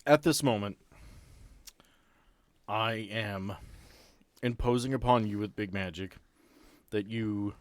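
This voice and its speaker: A man acting as game master, narrating and explaining a tabletop game in a deliberate, explanatory way. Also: fairly low pitch, dry recording.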